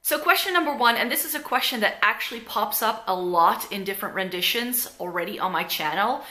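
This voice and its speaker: Bright-voiced Dutch woman chatting to camera. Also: medium pitch, expressive, brisk. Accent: Dutch with some American. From Netherlands. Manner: chatty, rambling with many fillers. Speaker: beauty vlogger. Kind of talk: casual chat to camera. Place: living room indoors. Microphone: camera in front at close range.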